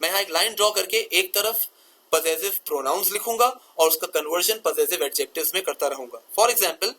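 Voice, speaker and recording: A man's voice: sits high, brisk, bright, forceful tone, rough recording. A man teaching English grammar in a methodical way, repeating each rule and asking listeners to pay attention as he works through slides. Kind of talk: explaining grammar over slides.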